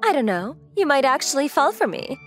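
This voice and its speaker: A woman plays a proud young heiress in a manga dub. She is blunt, teasing and sure of herself, in a slightly high, very expressive voice over faint music. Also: a little fast. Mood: smug. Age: young adult. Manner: self-assured, matter-of-fact, teasing.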